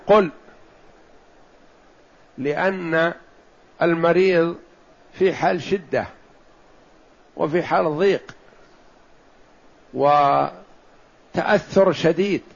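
A man giving a religious lesson, explaining a text in a measured way and slowing down to stress his points, in a dull lo-fi recording. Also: sits high. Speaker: Islamic scholar teaching hadith commentary.

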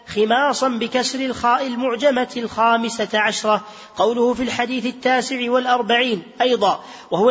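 Male student reader, very high and fast, steady recitation; long hall reverb, muffled lo-fi sound. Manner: steady recitation, self-correcting slips. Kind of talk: reading a text aloud to a teacher. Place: large mosque hall.

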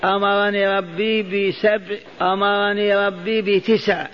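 High-voiced man teaching Quran verses. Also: little pitch movement, a little slow. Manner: repeats phrases, stops to quiz listeners. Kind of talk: lesson explaining Quran verses. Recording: dull lo-fi recording.

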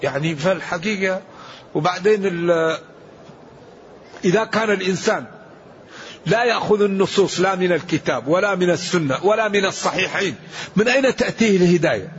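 A man's voice: sits high, brisk, long pauses, highs cut off, a little hiss or hum. A man giving an earnest, emphatic Quran commentary lesson, quoting scripture and sayings as he preaches. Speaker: Quran teacher.

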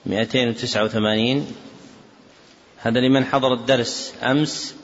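A man's voice: medium pitch, fairly even intonation, brisk. A man teaching a classroom lesson on a religious text, directing students and carefully spelling out corrections. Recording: dull echoey hall recording.

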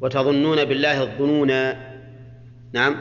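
A man's voice: mid-range voice, level tone, moderate pace. A man teaching Quranic grammar in a classroom lecture, explaining point by point and checking with students. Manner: explains point by point, often asks students "ha?" and "clear?". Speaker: Islamic scholar teaching Quranic exegesis. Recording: dull, lo-fi lecture recording with long reverb.

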